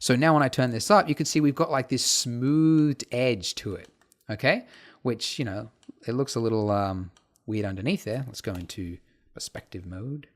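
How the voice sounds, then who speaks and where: A man teaching a casual software tutorial over his screen, chatty and full of fillers and asides. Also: mid-range voice, moderate pace. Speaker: tutorial instructor.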